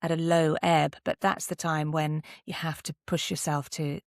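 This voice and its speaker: Podcast guest, female. Lower register with some fry, close dry sound, candid and emphatic, encouraging. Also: little pitch movement, moderate pace, no echo. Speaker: podcast guest, actor and drama teacher. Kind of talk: conversational interview advice.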